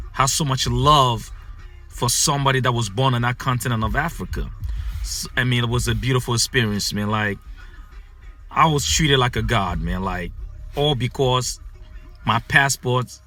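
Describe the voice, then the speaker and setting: A man in his thirties talks straight into a phone camera from his parked car at night. His voice is bright and forceful, and he circles back over the same points with a steady run of fillers. Faint music plays underneath. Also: a little high. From Ghana. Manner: animated, repetitive storytelling with many fillers. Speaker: vlogger. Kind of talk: casual storytelling. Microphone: phone camera held close.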